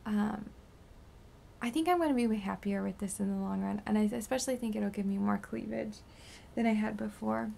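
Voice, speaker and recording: Brief: worn-out twenties woman, heavy vocal fry, raspy sore throat, rambling vlog update. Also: mid-range voice, fairly quick, slight background noise. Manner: rambling, drifting into soft whispers. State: tired and sore after surgery. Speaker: beauty vlogger. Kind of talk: casual post-surgery update vlog.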